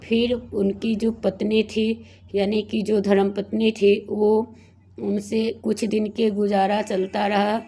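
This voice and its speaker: A woman whose voice is hoarse from a cold, telling a devotional story to her viewers in a casual, rambling way. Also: medium pitch, flat delivery, slow, mellow. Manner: rambling, with many restarts and fillers; addresses viewers as friends. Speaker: devotional YouTuber.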